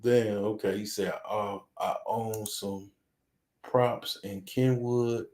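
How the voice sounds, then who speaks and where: A man's voice: fairly low pitch, steady tone, slow, a little mellow, roomy sound. A man from the suburbs, hosting a casual livestream, rambling with constant "you know" fillers and frequent chuckles. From Chicago suburbs, Illinois. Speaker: livestream host. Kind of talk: casual livestream chat reading viewer comments.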